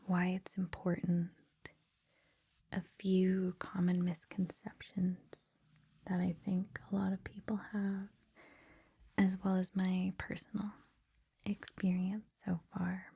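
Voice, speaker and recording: Slow, breathy whispering ASMR woman. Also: lowish voice, monotone. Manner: gentle, reassuring, informal. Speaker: ASMR host introducing a meditation series.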